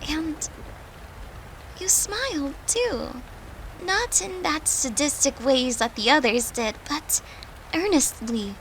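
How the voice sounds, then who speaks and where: Woman acting a tender, slow-talking human girlfriend. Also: sits high, slight background noise, exaggerated voice, rough recording. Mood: fond, warm. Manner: soft, earnest, confiding, with sighs and breathy laughs. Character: tender human girlfriend, an occult summoner comforting her demon lover. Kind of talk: intimate audio roleplay addressed to the listener.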